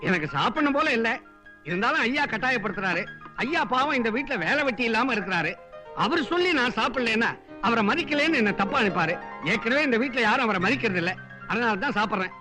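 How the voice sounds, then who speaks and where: Brief: greedy sly guest, high musing voice, film comedy. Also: male voice, expressive, fast talker, over music. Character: greedy sly houseguest man, fussing about food.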